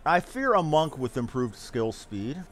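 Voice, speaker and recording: A man's voice: medium pitch, sing-song, unhurried. A man giving casual, rambling gameplay commentary as a streamer, thinking aloud as he goes. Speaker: game streamer. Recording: game music behind voice. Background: video game music.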